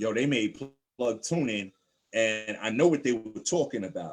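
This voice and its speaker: A man speaks at a fairly slow pace, with a New York accent. His voice sits at a medium pitch and shows ordinary pitch variation. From New York, Staten Island. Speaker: rapper. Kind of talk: casual chat. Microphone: mic sounds good.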